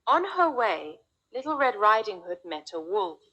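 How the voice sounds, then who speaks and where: A woman narrating a children's fairy tale in slow, clear, deliberate English for young learners. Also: mid-range voice, very animated, pushed and bright, highs cut off. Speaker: storyteller. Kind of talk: scripted storybook narration.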